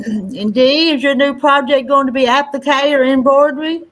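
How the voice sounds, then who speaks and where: A woman's voice: sits high, moderate pace, a bit bright, poor audio. A woman from Arkansas with a Southern accent co-hosting a casual live stream and addressing viewers by name.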